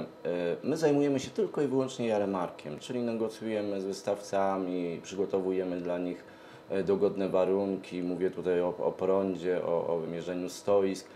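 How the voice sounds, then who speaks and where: Deep, mellow man, hesitant. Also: normal speed, slight background noise. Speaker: event organizer, interview guest. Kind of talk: studio interview answers. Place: TV studio, seated at a glass desk. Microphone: lapel mic.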